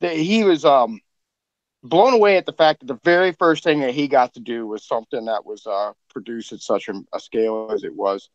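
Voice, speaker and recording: A man's voice: mid-range voice, fairly quick, no room sound. Guy rambling on about his cast, lots of uhs, dull muffled dry sound. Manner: rambling, enthusiastic praise with many fillers. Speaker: podcast producer. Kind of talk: casual behind-the-scenes chat.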